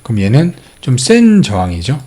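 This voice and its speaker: Middle-aged male host, lively pitch, casual filler-heavy stock commentary. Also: normal speed, breathy edge. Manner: explains charts step by step with many fillers.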